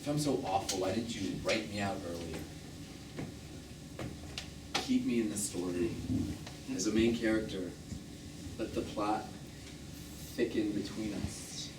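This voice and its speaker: An actor playing a defensive middle-aged gay boyfriend in a stage play, speaking in terse, deliberate, emphatic lines. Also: male voice, lowish voice, recorded from a distance, natural voice. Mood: pleading. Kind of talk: one-act stage play acting. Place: small theatre, live performance. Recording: roomy, noisy theatre recording from afar.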